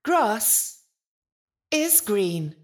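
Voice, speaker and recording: A woman's voice: medium pitch, sing-song, extremely slow. A woman playing a polite, lonely, literal-minded nonhuman intelligence in an audio drama, speaking formally and precisely. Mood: friendly, curious. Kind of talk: audio fiction podcast acting.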